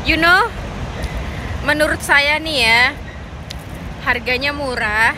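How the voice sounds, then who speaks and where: A woman's voice: sits high, slow. A woman reviewing street food in a casual vlog, chatting and humming as she tastes with her mouth full. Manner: chatty, tasting and reacting with hums. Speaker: food vlogger. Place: outdoors by a street. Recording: street traffic noise outdoors. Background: street traffic.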